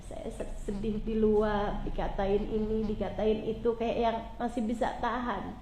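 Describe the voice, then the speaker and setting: A woman's voice: medium pitch, level tone, measured pace, warm tone, a little hiss or hum. Chatty woman preacher, echoey room. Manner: chatty, addresses listeners directly. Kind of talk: casual storytelling sermon. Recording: echoey room with faint ambience.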